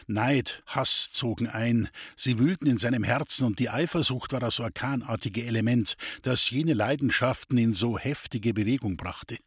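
A man narrating a literary story in an expressive storytelling read. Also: mid-range voice, normal speed, hardly any pauses, husky, dry recording, studio quality. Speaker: audiobook narrator.

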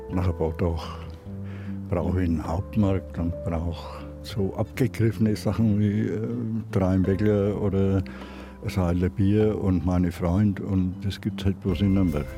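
A man, an author, speaking in a homespun way. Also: low voice. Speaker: author, interviewee.

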